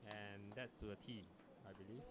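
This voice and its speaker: A man from Singapore with a Singaporean English accent, giving relaxed, chatty live commentary on a bowls match, with frequent fillers. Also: lowish voice, normal speed. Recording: lo-fi broadcast audio with background noise.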